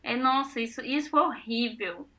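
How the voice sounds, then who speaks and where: A young Brazilian woman chatting casually, telling stories with animated, self-mocking exclamations. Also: a little high, moderate pace, very noisy. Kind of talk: casual chat.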